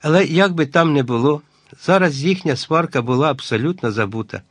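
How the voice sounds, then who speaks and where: A man reading a first-person adventure novel aloud as scripted audiobook narration, measured and even. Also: on the high side, slightly rough, dry recording, clean studio sound.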